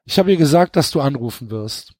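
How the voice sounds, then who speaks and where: A man reading aloud the lines of a worried, poor middle-aged mother, in a soft, murmuring voice. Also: mid-range voice, expressive, a little fast, no room sound, studio quality, lightly acted. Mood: hushed.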